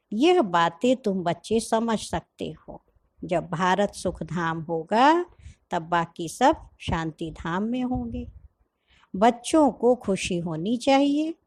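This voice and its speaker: Slow-speaking woman giving a spiritual talk. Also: fairly low pitch. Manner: gentle, explanatory, quotes the teacher then comments. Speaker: spiritual teacher. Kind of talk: sermon explaining a scripture reading.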